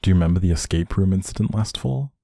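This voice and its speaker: A man performs a doting young boyfriend in an intimate audio roleplay, talking one-to-one with gentle teasing and affection. His voice is deep, dark and soft with a husky grain, recorded very dry. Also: quick pace, dry recording. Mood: attentive, gentle. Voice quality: low, soft, husky, creaky.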